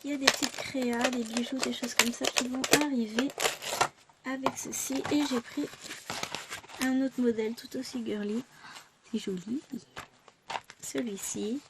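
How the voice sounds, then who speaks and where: A woman's voice: a little high, steady tone, a little slow, pauses often, heavy background noise. A woman chatting casually through a craft shopping haul, self-mocking and exclaiming over each item.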